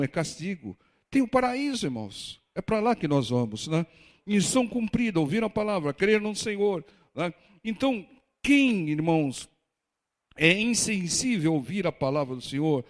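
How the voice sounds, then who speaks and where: A man preaching a sermon in a fairly high voice, speaking. He leans on rhetorical questions and lets his voice jump up in pitch and volume for emphasis.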